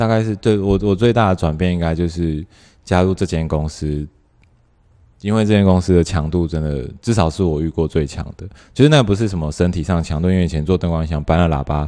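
In a Taichung accent, a man talks at a fairly quick pace with a very deep, low pitch, a dark, mellow tone and ordinary pitch variation over a quiet background. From Taiwan, Taichung. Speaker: retail staff at a scooter company, writer. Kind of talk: casual chat. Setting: recording on location in a basement.

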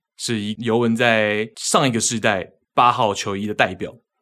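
A man's fairly low voice has a bright, sharp tone, captured on a very clean recording with a silent background. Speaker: football podcast host. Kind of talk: solo podcast commentary. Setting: podcast recording. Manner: slightly tongue-tied when recording.

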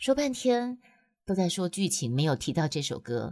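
A woman is speaking. Her pitch swings very widely. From Taiwan, countryside. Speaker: livestream host and voice actor. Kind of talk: casual livestream chat. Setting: online livestream room.

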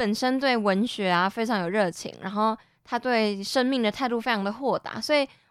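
A woman with an ordinary speaking voice talks at a moderate pace and a fairly high pitch. The recording is very clean, with a silent background. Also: dry, close sound with no echo. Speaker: student podcast co-host. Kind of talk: casual chat.

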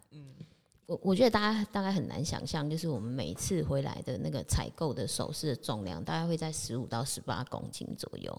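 A woman's very deep, low voice with vocal fry, very wide pitch swings, and a fairly quick pace. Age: 50s. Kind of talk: interview.

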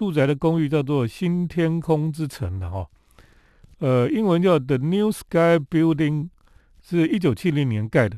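With a Taiwanese accent and a relaxed tone, a man talks in a fairly high pitch for a man with lively intonation over a quiet background. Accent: Taiwanese Mandarin. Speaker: architecture commentator, radio host. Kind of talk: solo radio talk. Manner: relaxed, many filler particles.

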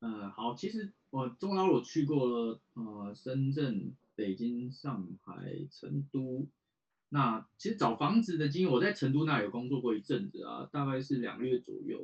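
At a fairly slow pace, a man speaks at a medium pitch with lively intonation and a somewhat breathy voice. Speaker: podcast co-host. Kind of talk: casual chat.

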